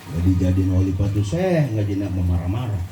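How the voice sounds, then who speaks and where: Man preaching a lively sermon with a lilt. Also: fairly quick, faint music behind. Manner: lively, asks the audience questions, swings between low and high pitch. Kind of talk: Sufi religious sermon. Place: gathering in a hall. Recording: echoey room, voice from far off.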